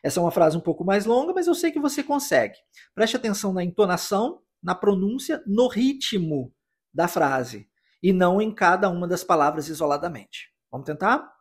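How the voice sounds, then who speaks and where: A Brazilian man with a Brazilian Portuguese accent hosting a podcast English lesson, explaining slowly and patiently and repeating phrases for the listener. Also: high voice, sing-song, husky. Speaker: English teacher and podcast host.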